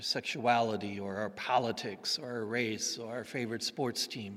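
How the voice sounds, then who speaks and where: With an Upper Midwest accent, a man talks fairly slowly at a medium pitch. His tone is bright and sharp. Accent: Upper Midwest American. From US Midwest, Wisconsin. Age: 50s. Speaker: priest. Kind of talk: sermon.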